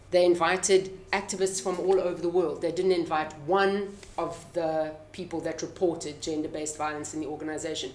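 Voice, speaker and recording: A woman's voice: fairly low pitch, darkish tone, a little hiss or hum. A middle-aged woman from South Africa with a South African accent, speaking emphatically as an activist on a press conference panel. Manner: impassioned, emphatic. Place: press club conference room. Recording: echoey room.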